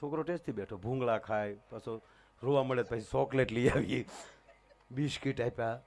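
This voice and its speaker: A man's voice: mid-range voice, normal speed. A man telling comic stories at a live folk show, acting out each character. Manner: animated, acts out every character in the story. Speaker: folk comedian storyteller. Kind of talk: live folk comedy storytelling.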